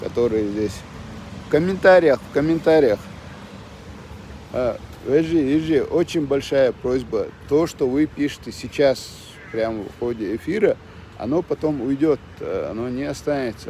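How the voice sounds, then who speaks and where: A man talks at a fairly slow pace, his loudness swinging widely, with long, frequent pauses and noticeable background noise. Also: ordinary pitch variation. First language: Chechen (speaking Russian). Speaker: video blogger. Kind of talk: live stream chat with viewers. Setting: outdoors.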